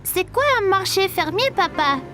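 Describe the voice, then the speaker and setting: A performer voicing a curious, excitable little boy with a childlike high voice in a French-dubbed children's cartoon. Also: normal speed, a little hiss or hum, full character voice. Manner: inquisitive, naive.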